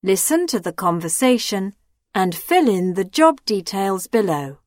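Woman reading exam instructions, slow and clear, lively pitch, dry sound. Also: dry recording. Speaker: exam narrator. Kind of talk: scripted listening-test instructions.

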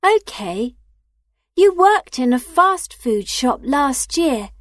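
A woman playing a supportive young female friend who asks clearly enunciated questions in a scripted dialogue. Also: high-pitched, sing-song, slow pace, no echo, studio quality, full character voice. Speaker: friend character in a listening test.

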